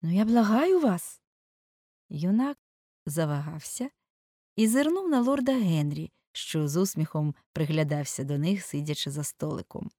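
A woman narrating a classic novel as an audiobook. Her low voice moves calm and measured. The studio sound is dry and close. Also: no echo.

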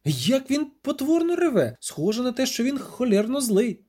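A fretful, excitable bard pitched well above an ordinary man's voice, as a male narrator puts him on. He exclaims and swears with lively, leaping intonation. The tone stays mellow and dark underneath. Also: a little fast. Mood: alarmed.

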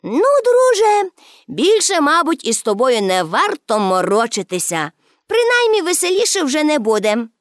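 A woman's voice: high voice, wildly swooping pitch, normal speed, no echo, clean studio sound, voice pushed up. A woman voicing a bold, cheerful, mighty little girl with a cocky, carefree manner.

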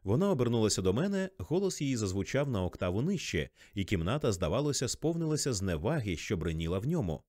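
A male audiobook narrator reading a literary novel with an expressive, animated delivery. His voice sits at an ordinary pitch and the sound is dry and close. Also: fast, hardly any pauses, dry recording.

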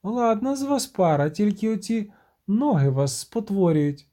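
Brief: shrill moody siren woman from a storybook, read by a man, high and lilting. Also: big pitch swings, dark tone. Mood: mocking. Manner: shrill trilling, drawn-out scolding. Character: female sea siren, shrill, mocking and moody.

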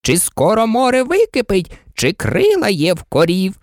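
Storybook walrus put on by a woman: greedy, weepy, fussy, lively, dry close sound. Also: medium pitch, normal speed, no echo, voice pushed up. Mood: sly, mournful. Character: sly greedy male walrus, tearful and sentimental.

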